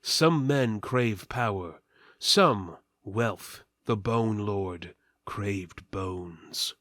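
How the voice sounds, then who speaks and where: A man's voice: fairly low pitch, drawn-out words, fairly bright tone, no room sound, studio quality. A man giving a portentous, mock-serious dramatic reading of an epic fantasy story. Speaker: narrator, reader.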